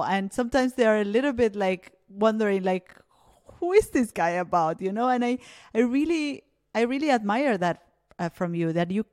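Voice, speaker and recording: A woman's voice: mid-range voice, darkish tone, no echo, studio quality. A woman from Argentina hosting a casual interview, talking reflectively with many fillers. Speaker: podcast host. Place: Berlin.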